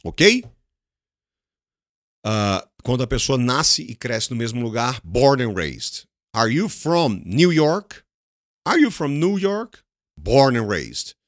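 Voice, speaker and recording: A Brazilian man with a Brazilian Portuguese accent teaching an English lesson. He slips into Portuguese to explain, repeats words slowly, and asks his students questions that he then answers himself. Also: medium pitch, very animated, no echo, clean studio sound.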